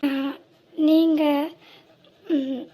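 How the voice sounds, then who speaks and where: A gentle grown son, voiced by a woman in a high but mellow voice stumbles over his words. His southern Tamil Nadu accent comes through as he hesitates and dodges in this cartoon comedy. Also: flat delivery, drawn-out words. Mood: hesitant, evasive. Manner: hesitant, faltering.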